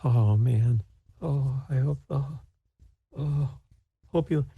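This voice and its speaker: Fretful woman baker, very high and shrill, played by a man. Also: slow pace, no room sound, narrow, tinny audio. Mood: nervous. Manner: high fretful squeal, rising to shrill outrage. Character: fussy anxious woman pie baker.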